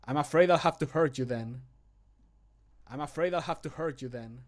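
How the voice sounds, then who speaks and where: A man voicing a stern, curt male fighter from a fantasy video game, with deliberate, commanding delivery. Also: on the high side, close to an everyday voice. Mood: grim warning. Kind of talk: video game voice line acting.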